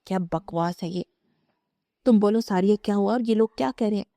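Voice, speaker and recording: A woman's voice: medium pitch, mellow, dry recording, natural voice. A woman voicing an angry, protective older brother in a storybook reading, furious and bitter.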